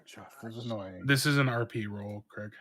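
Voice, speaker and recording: A man's voice: on the low side, normal speed, fairly bright tone, dry recording. A man bantering casually as a player in a tabletop game.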